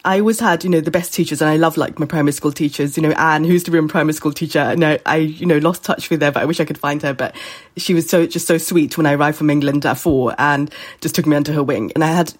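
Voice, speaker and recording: A woman's voice: low voice, fairly even intonation, quick pace, breathy edge. A woman originally from Bangladesh, talking reflectively as a guest in an interview and often saying "you know". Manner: warm, reflective, many fillers like "you know". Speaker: food writer and guest. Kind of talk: conversational interview.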